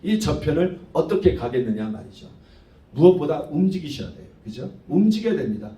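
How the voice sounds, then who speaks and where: A man's voice: fairly high pitch, fairly quick. Guy pastor preaching, voice swoops up and down, english words mixed in, echoey and far from the mic. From Korean diaspora, 1.5-generation immigrant. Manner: mixes English words and phrases into Korean; animated, rhetorical questions to congregation. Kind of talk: sermon. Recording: roomy, distant microphone.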